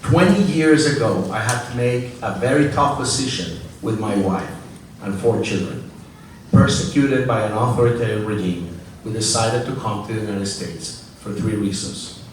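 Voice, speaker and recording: A man's voice: fairly low pitch, normal speed, distant mic, slight background noise. Man speaking in an echoing hall. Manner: earnest, emphatic, briefly switches to Spanish. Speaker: congressional candidate. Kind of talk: campaign forum closing statement. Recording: echoey hall, mic heard from afar.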